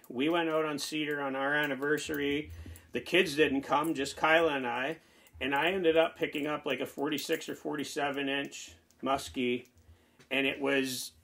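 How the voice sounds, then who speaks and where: Man in his forties, slightly high and bright voice, easygoing and chatty, talks close to a handheld camera in a small cluttered room. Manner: chatty, rambling, enthusiastic. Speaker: fishing channel host. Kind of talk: casual show-and-tell walkthrough. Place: small indoor man cave packed with lures.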